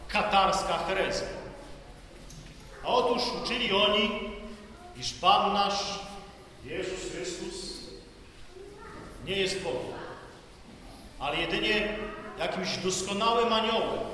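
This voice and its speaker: A man preaching a sermon in a slow, solemn way, pausing between phrases, as a priest speaking to the faithful. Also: sits high, sharp tone, a little hiss or hum. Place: large church. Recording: echoey church hall.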